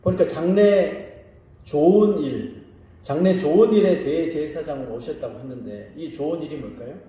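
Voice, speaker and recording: A male pastor gives a sermon in a very echoey church, and he sounds a little distant from the mic. His voice is somewhat high but dark and mellow. He moves between hushed, dropping phrases and raised, emphatic questions to his listeners. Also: normal speed. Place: church sanctuary.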